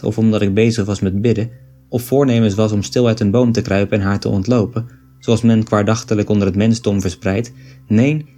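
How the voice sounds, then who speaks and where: Male narrator with a dark, warm voice for a measured reading of an old text, soft music underneath. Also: fairly low pitch. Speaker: reader of an old book. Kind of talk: scripted narration of an 18th-century text.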